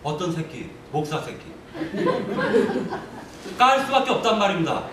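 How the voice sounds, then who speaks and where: A man delivers a heated church testimony in a fairly high voice, full of condemnation. He sounds far from the mic in a very echoey room. A faint noise sits underneath. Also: very animated, fast talker, a crowd in the background. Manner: vehement, denouncing, rising to anger. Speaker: church member giving testimony. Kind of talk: impassioned testimony.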